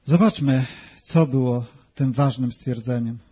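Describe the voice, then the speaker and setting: A man interpreting a sermon live, talking quickly and evenly and slowing down for scripture readings. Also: medium pitch, husky. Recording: dull lo-fi sound.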